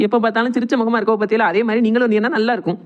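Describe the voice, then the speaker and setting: Woman acting a fast-talking cheeky young daughter-in-law. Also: a little high, steady tone, lo-fi sound, lightly acted. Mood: mock-innocent. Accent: southern Tamil Nadu. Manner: teasing, mock-innocent. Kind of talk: cartoon comedy drama dialogue.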